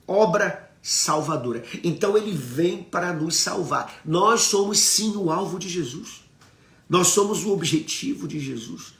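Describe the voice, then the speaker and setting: A Brazilian man preaching on a live stream, his voice sitting a little high for a man. He teaches with emphasis, keeps asking his viewers questions and answers their comments. The sound is roomy and echoey. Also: expressive, a little slow, gravelly, a bit bright. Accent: Brazilian Portuguese.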